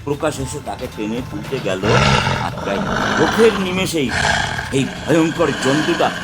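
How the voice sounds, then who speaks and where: A man's voice: mid-range voice, animated, normal speed. Man narrating a horror story over music. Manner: dramatic storytelling. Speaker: narrator and tantric guru.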